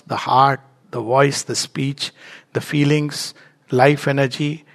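A man with a North Indian accent speaks as a spiritual teacher. His voice sits fairly high and has some creak in it. He talks emphatically, like a storyteller, slipping into little acted-out dialogues as he explains. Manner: emphatic, storytelling, chuckles at own remarks.

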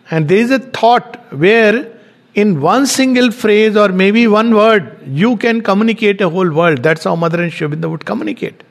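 A man giving a spiritual teaching talk, explaining his points step by step. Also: high-pitched. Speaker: spiritual lecturer.

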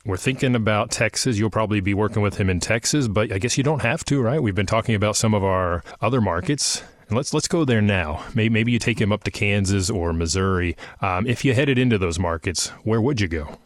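Low-voiced radio host. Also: male voice, brisk, few pauses, no room sound, clean studio sound. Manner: friendly, rambling, with frequent restarts. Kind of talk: radio interview hosting.

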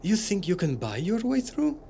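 A woman's voice: medium pitch, wildly swooping pitch, moderate pace, creaky, warm tone, slight background noise, voice pushed up. A woman doing a stern checkpoint guard. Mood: suspicious. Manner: stern, commanding. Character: gruff male checkpoint guard.

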